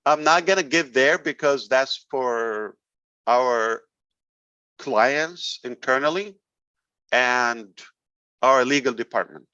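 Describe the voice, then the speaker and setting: Man, company leader addressing members, blunt and emphatic, mid pitch, dry lo-fi sound. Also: takes it slowly, pauses often, bright, forceful tone, smooth, no echo. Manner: blunt, emphatic, sarcastic at times. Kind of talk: motivational business talk. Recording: dull, dry recording.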